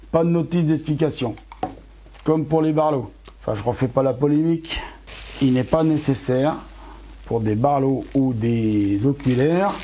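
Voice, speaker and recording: There's a little hiss or hum as a middle-aged amateur astronomy YouTuber, his voice warm and on the high side, casually unboxes gear. He chats straight to his viewers, correcting himself as he goes, sounding slightly tired with a voice starting to give out.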